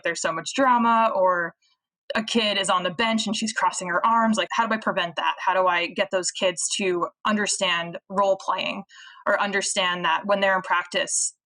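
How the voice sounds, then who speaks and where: A young woman with a bright, lively tone talks through coaching ideas in an easy, chatty way. Her speech is full of "like" and little asides, as casual podcast talk. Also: lowish voice, moderate pace, poor audio. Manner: chatty, many "like" fillers, acts out quotes. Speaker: college volleyball coach.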